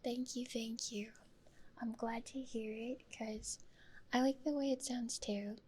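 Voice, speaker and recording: A woman streaming ASMR in a hushed, breathy whisper, speaking gently and intimately close into a stereo microphone. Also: fairly high pitch, steady tone, a little slow.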